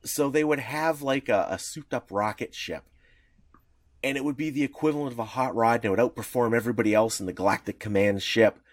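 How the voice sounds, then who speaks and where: A man's voice: medium pitch, brisk, no room sound, clean studio sound. A man co-hosting a podcast, explaining at length in a casual, rambling way with lots of fillers. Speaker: podcast co-host.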